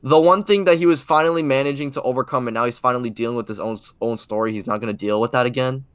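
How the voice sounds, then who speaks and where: A man's voice: mid-range voice, quick pace, clean tone, no echo. Slangy man in a dry-sounding space. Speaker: podcast co-host. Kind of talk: casual chat.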